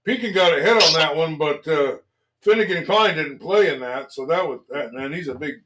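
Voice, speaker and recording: A man chats loosely about local games as a sports show host. His voice sits a little high for a man. He trails off and starts over often. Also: normal speed, heavy background noise. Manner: relaxed, lots of fillers and restarts. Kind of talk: casual sports talk.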